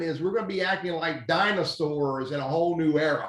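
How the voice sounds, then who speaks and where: The room echo is audible as a man speaks. His pitch is high, and his pace is fairly slow. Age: 60s. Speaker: webinar host and social media strategist. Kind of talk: casual chat. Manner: animated.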